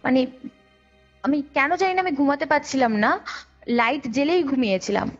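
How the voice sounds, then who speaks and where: A woman's voice: high voice, animated, moderate pace. A young woman tells a personal ghost story conversationally, in detail, circling back over points. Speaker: guest, caller. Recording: dull lo-fi call recording with background music. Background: background music.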